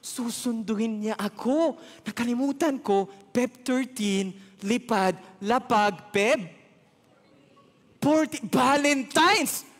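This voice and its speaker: A young man telling a story as guest speaker at a church service, animated and acting out the dialogue. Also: very high voice, slow. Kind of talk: storytelling testimony. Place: church hall with audience. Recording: long church hall reverb.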